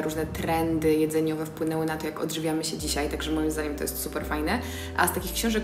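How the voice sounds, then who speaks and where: A young woman with a fairly low voice talks to her phone camera from a bright living room, chatty and eager, filling pauses with little hesitation sounds. Her voice rings in the bare room, and music plays clearly underneath. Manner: chatty and enthusiastic, with many filler sounds. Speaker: vlogger. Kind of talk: casual vlog chat to camera. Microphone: phone camera on a tripod nearby. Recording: roomy echo with music behind.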